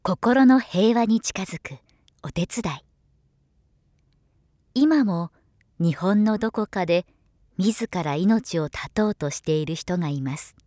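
A woman who works as a professional voice-over narrator, reading a script in a formal, measured, clearly articulated way. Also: on the low side, expressive, mellow, dry recording, studio quality. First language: Japanese. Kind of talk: polished scripted narration for demos.

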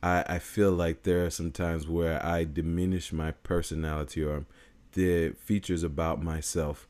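A man's voice: sits low, little pitch movement, measured pace, a little mellow, clear, resonant tone. A man who sings and has a big voice, co-hosting a casual chat with hesitant restarts and easy laughter. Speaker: podcast co-host, singer.

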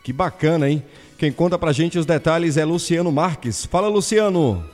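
A man's voice: a little high, normal speed, darkish tone, faint music behind. Upbeat male news anchor in a reverberant space. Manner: chatty, upbeat asides between items. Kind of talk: live news presenting.

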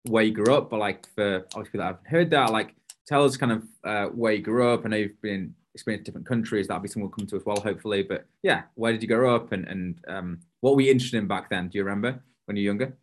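A man's voice: lowish voice, fast. A man hosting a podcast interview over a video call, talking casually with many restarts and fillers. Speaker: podcast host.

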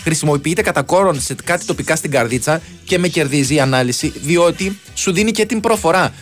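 A man's voice: fairly high pitch, faint music behind. A man co-hosting a radio show in casual banter, joking and reading listener messages aloud. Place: radio studio.

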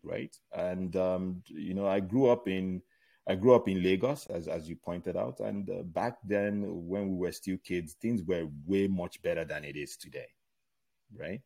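A man's voice: low-pitched, measured pace, vocal fry, warm tone. A middle-aged Nigerian man with a Nigerian accent, chatting as a guest in an interview, rambling with many fillers and restarts. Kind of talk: casual interview chat.

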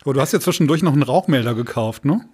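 A man's voice: medium pitch, lively intonation, rapid-fire, darkish tone, slightly rough. A man hosting a podcast in a casual, informal and teasing manner. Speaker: podcast host.

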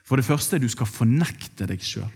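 A man's voice: medium pitch, lively intonation, vocal fry, darkish tone, breathy edge. A male pastor giving a conversational sermon in a church, asking the congregation rhetorical questions.

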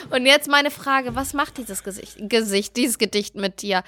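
A woman's voice: on the high side, measured pace, bright, forceful tone. A woman co-hosting a casual chat podcast, teasing her co-host and laughing easily. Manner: teasing, giggly.

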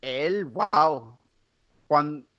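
A Puerto Rican man talking casually as a podcast guest, with a voice a little higher than most men's. He stumbles and restarts often, dropping English words into his Spanish. The sound is somewhat dull and muffled. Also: bright, forceful tone. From Puerto Rico. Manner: halting, many restarts, slips into English. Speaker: guest comedian.

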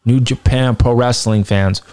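A man with a hoarse, tired voice reads a wrestling announcement aloud, then gives his opinion with emphatic repetition. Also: mid-range voice, fairly even intonation, measured pace, darkish tone. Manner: emphatic, repeats points for stress. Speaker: wrestling news commentator.

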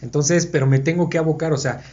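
A man's voice: on the high side, fairly even intonation, fast talker, a little mellow. Man leading a study. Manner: checks in often with the listeners, thinks aloud. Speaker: Bible study leader. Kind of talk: conversational group Bible teaching. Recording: dull lo-fi recording.

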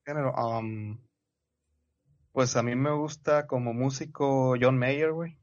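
A man's voice: medium pitch, fairly even intonation, slow. A Mexican man talking easygoing and slangy in a podcast chat, his mid-range voice captured on a slightly dull, lo-fi recording. He drops casual filler words all through his sentences. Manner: laid-back slangy talk, peppers sentences with "güey".

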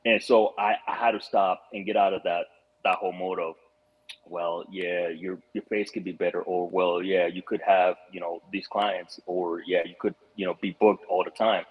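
A Rwandan man appears as a guest on a casual podcast, telling his story in a reflective, earnest way and often restarting his sentences. His voice sits low and is slightly rough, with a level tone and a moderate pace. The audio is muffled and lo-fi.

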